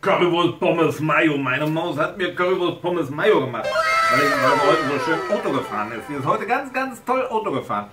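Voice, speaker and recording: A man's voice: on the high side, big pitch swings, brisk, very noisy. A German man with a German accent, the husband in a casual home vlog, joking affectionately and switching between German and English. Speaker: vlogger, the husband.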